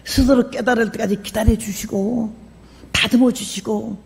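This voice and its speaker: An older woman missionary preaching a sermon, telling her own story with lively acted-out voices and sudden shouts. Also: a little high, moderate pace, vocal fry. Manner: animated storyteller, acts out quoted voices, bursts into shouts. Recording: long hall reverb.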